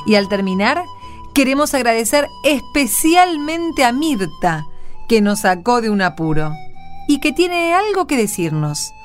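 A woman's voice: fairly high pitch, sing-song, unhurried. A woman hosting and narrating a radio drama in a conversational presenting style. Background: music.

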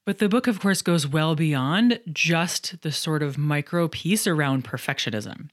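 A woman's voice: low voice, lively intonation, unhurried, no echo, clean studio sound. A middle-aged woman hosting a solo podcast, talking through book reviews in a candid, chatty way with some self-deprecating humor. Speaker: podcast host and coach.

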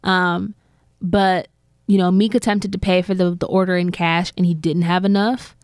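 With a low, level, darkish voice that sounds clear and resonant, a female podcast co-host chats casually about gossip. She tells it in a rambling, filler-heavy, drawn-out way, and the studio sound is clean with no echo.

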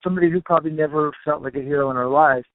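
A man's voice: a little high, rapid-fire, dry recording. A man in casual chat, musing loosely and using many fillers. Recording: tinny phone-like line.

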